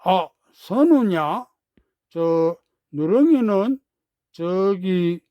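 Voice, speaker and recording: A man voicing a slow calm country uncle. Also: high-pitched, no echo, lo-fi sound, exaggerated voice. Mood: hesitant. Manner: slow, deliberate, measured.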